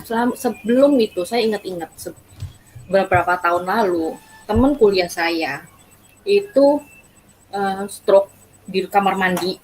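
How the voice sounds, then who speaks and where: A woman recounts her own experience to an interviewer, halting often and restarting her sentences. Her voice is at a medium pitch, with a faint hiss of noise behind it. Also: poor audio. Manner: hesitant, halting, many fillers. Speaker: guest. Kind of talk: personal account in interview.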